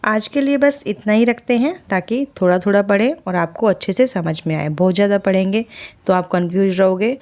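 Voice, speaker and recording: A woman's voice: mid-range voice, a little mellow. Patient woman teaching the Hindi alphabet. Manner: patient, repeats key points and asks learners questions; says letters slowly and clearly. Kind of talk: basic Hindi alphabet lesson.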